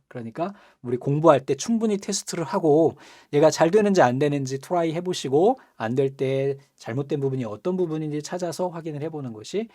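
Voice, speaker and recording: Chatty man teaching software, mellow voice. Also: on the high side. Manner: chatty, asks students rhetorical questions, laughs often. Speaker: computer skills instructor. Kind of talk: screen-recorded software tutorial.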